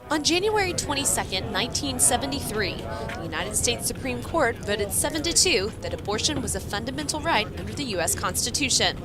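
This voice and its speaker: A woman's voice: fairly high pitch, sing-song, brisk, over loud music. A woman reading scripted news narration as a multimedia reporter.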